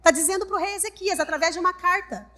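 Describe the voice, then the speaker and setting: A woman's voice: very high voice, fast, bright, forceful tone. A woman pastor with a Brazilian Portuguese accent preaching a sermon, emphatic and repetitive, speaking straight to her congregation. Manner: emphatic, repeats phrases, addresses congregation directly.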